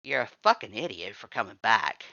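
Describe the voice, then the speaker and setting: Man acting a growling, bright-edged bully skeleton. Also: fairly low pitch, sing-song, fairly quick, creaky, no room sound, dull audio, heavily acted. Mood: scornful anger. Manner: growling, sweary, confrontational. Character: surly, short-tempered, bullying male skeleton monster.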